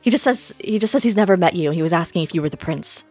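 A woman's voice: fairly low pitch, animated, quick pace, a little mellow, slightly rough, no room sound, soft background music. A woman playing a tabletop role-playing game, chatting casually and explaining events at rambling length. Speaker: player.

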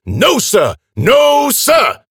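A man voicing an agitated old homeless man, protective and pleading, repeating himself in rough street grammar, in a story reading. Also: lowish voice, lively intonation, takes it slowly, no room sound, studio quality. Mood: angry, protective. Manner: repetitive, pleading, ungrammatical street speech.

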